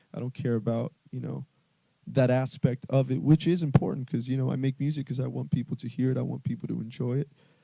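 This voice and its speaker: A man talks very fast at medium pitch, his tone dark and mellow. The sound is dry and close with no echo. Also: ordinary pitch variation. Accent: Spanish. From US South, Atlanta, Georgia. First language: Spanish. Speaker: actor and musician. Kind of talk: panel Q&A. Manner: casual, many fillers.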